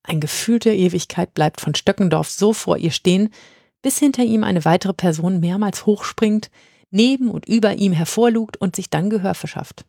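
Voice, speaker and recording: A woman narrating a storybook in a lively, even-paced reading. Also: medium pitch, moderate pace, vocal fry, husky, dry recording, studio quality. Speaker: audiobook narrator.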